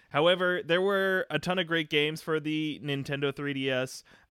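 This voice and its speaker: A man talks in an ordinary speaking voice. His pace is moderate, and his pitch varies in an ordinary way. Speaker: podcast host discussing video games. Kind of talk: casual chat.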